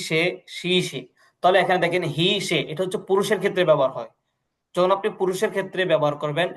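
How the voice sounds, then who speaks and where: A man teaching an English class, explaining patiently and repeating himself a lot. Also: fairly high pitch. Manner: repetitive, patient, many fillers and pious phrases. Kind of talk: online language class, explaining to students.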